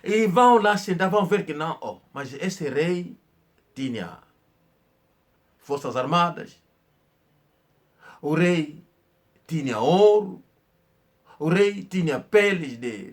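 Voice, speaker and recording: Homem de fala lenta e enfática. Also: male voice, a little high, expressive. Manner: slow, emphatic storytelling with hesitations and repetitions. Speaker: channel host. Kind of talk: informal history talk.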